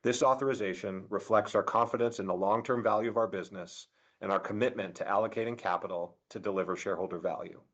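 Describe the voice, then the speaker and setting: A man reading a scripted corporate financial presentation as a finance chief, in a formal, measured manner. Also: lowish voice. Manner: formal, measured delivery of figures. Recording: dull, lo-fi conference call audio.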